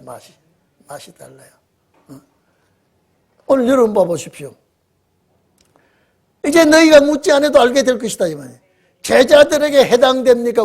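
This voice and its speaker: An older man, a pastor, preaching to his congregation in a colloquial, emphatic way, constantly checking in with the listeners and swinging from loud exclamations to quiet asides. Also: very high-pitched, creaky, husky. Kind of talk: sermon. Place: church sanctuary.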